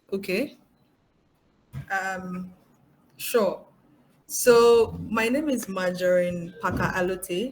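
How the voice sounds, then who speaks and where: A woman speaks very slowly at a medium pitch, her voice somewhat breathy. She leaves long, frequent pauses and uses ordinary pitch variation. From Ghana. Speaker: leadership speaker. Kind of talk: online talk. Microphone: too quiet.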